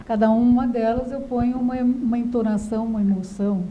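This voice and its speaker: A woman calmly explaining points in a panel chat. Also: a little high, a little fast, muffled recording, slight background noise. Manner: reflective, explanatory. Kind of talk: casual discussion.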